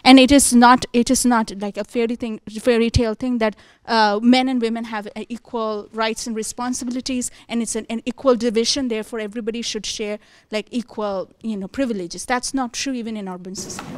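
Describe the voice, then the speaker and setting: Woman, audience comment, halting, searching for words, somewhat high. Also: steady tone. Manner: hesitant, many fillers and restarts. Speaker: audience member. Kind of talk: spontaneous comment in a panel discussion. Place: conference room.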